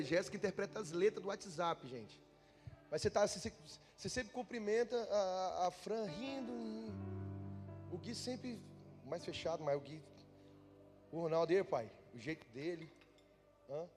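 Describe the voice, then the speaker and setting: A pastor preaches in a loose, joking tone and keeps turning to his congregation with questions. His voice sits a little high for a man. Instrumental music plays clearly behind him in the church. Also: moderate pace, long pauses. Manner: conversational and humorous, often asking the congregation questions. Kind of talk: sermon.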